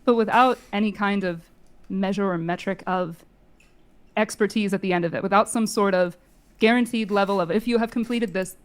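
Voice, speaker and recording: A woman arguing in an online debate in a measured, deliberate and critical manner. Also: medium pitch, clear, resonant tone. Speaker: debate opponent.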